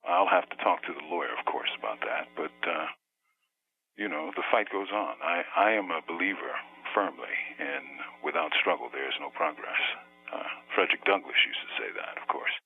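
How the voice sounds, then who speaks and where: A man speaking from a prison cell over a prison phone line in a measured, halting interview manner with many pauses. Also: sits low, vocal fry, slight background noise. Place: prison cell on death row.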